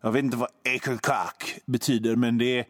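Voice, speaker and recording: A man's voice: mid-range voice, little pitch movement, no echo, studio quality. A man with a Gothenburg accent hosting a radio show, rambling through a self-mocking comic monologue. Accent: Gothenburg Swedish. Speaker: radio host.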